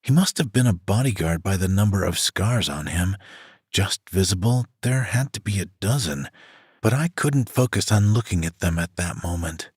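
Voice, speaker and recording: A man reading a romance audiobook aloud in the first person, in an even, scripted narration. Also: fairly low pitch, husky, no echo, clean studio sound. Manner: reads a woman's first-person story in an even voice.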